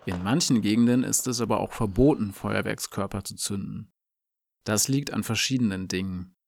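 Man, lesson presenter, calm clear explaining, lowish voice, gravelly. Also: moderate pace, no room sound, studio quality. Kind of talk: scripted explanatory dialogue.

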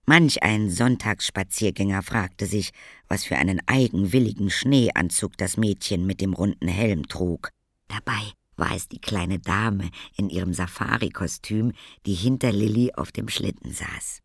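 Male storybook narrator, calm and steady, lowish voice, dry studio sound. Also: measured pace, vocal fry, no room sound. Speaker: audiobook narrator.

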